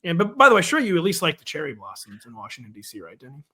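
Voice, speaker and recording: Man, slightly high voice, wry and joking, sports show co-host, casual chat. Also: huge pitch swings, pushed and bright. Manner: wry, joking, fast-talking. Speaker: podcast co-host. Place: home in the Midwest.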